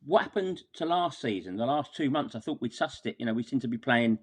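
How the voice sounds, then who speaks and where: A man with a mid-pitched voice reviews football in a casual podcast chat. He sounds exasperated and talks at length, halting and doubling back on his words. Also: lively intonation, slightly rough.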